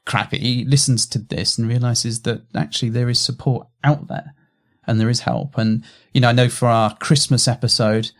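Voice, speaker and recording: A man's voice: mid-range voice, steady tone, moderate pace. A man co-hosting a podcast, offering earnest, rambling advice full of fillers and restarts. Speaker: podcast co-host. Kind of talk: casual podcast chat.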